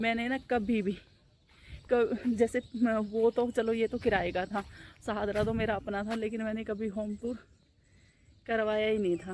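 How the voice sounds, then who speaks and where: A woman speaks with a fairly high pitch and monotone, flat intonation. She leaves long, frequent pauses. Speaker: vlogger. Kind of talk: casual vlog.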